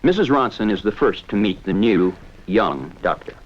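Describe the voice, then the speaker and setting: A man giving measured, explanatory scripted narration for a 1970s educational film. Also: lowish voice, expressive, dull audio.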